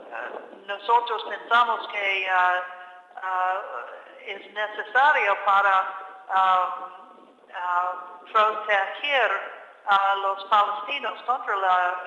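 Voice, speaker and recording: Older American woman, halting slow Spanish. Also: medium pitch, sharp tone. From United States. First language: English. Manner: halting Spanish, many drawn-out "ah" fillers, slips into English words. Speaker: guest activist. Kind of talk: radio interview. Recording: echoey hall, dull lo-fi sound.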